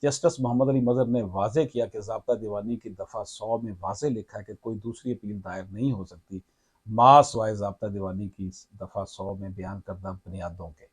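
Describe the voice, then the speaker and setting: A man with a Pakistani Urdu accent, a lawyer, explains a court ruling in a formal, measured way and keeps addressing his viewers. His voice is low and husky. The sound is dry and close, with no room in it. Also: fairly even intonation, no room sound.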